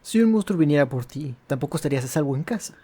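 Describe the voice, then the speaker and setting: A man's voice: a little high, lively intonation, very fast, background noise. A man hosting a gaming video, commenting casually and rambling as he searches for words and rephrases. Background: game music.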